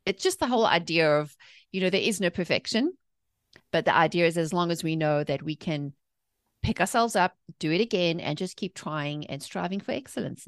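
South African woman, lower-pitched and chatty. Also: dry recording, studio quality. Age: 40s. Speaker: podcast guest, mindset coach and author. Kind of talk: conversational interview storytelling.

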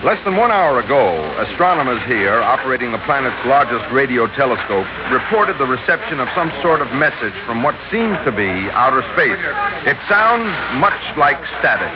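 An actor playing an excitable male radio reporter broadcasting from a scene of great excitement, in a vintage radio drama. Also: mid-range voice, moderate pace, close to an everyday voice. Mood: urgent. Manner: urgent, animated announcing. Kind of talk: 1960s radio drama acting. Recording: muffled old radio recording with loud noise.

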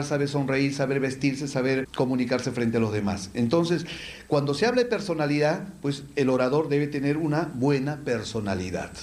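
A man's voice: mid-range voice, darkish tone. Man lecturing in an echoey hall. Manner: poses rhetorical questions, then answers them in lists. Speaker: public speaking instructor. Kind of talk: lecture to a live audience. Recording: echoey room.

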